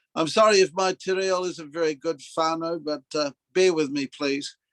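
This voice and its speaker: With a New Zealand accent, a man speaks at a high pitch in a dry, close sound with no echo. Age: 60s. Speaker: Maori land claim signatory. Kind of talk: online radio chat.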